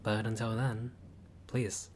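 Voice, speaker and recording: Slow and level, a man's low voice comes across a little mellow, with slight background noise. He portrays a laid-back, friendly vampire host in roleplay audio, wryly teasing with dry humor and now and then going grandly theatrical.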